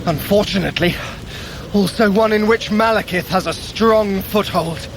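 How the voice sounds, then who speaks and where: An actor playing a sly, sardonic trickster god with a dry, articulate way of speaking in an audio drama. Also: male voice, high voice, moderate pace, noisy background. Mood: grave, wry.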